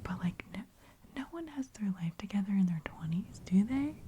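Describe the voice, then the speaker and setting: A woman in her thirties giving a soft, encouraging whispered ramble for ASMR, full of "like" fillers, close on the mic. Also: medium pitch, expressive, normal speed, a little hiss or hum. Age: 30s. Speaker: ASMR creator. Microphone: close studio mic with brushing.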